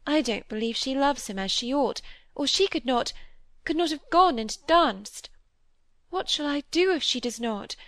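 A woman's voice: fairly high pitch, expressive, moderate pace, no room sound, voice pushed up, close to an everyday voice. A woman voicing a timid, anxious young woman. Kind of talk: audiobook character voice.

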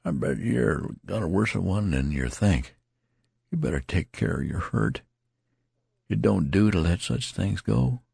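A man's voice: low voice, sing-song, unhurried, vocal fry, a little mellow, slightly rough, no echo, studio quality, pitched above the performer's own voice, heavily acted. A man voicing a dazed, wounded male soldier who rambles in a slurred, folksy country dialect. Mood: worried. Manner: pleading, repetitive, plaintive.

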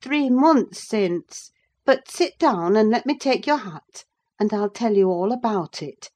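A brisk, warm-hearted housekeeper chatters in a lifted, lively voice, as a woman reader puts her on. She welcomes and fusses in a storybook reading. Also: medium pitch, voice pushed up. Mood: welcoming. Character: brisk, kindly middle-aged housekeeper woman.

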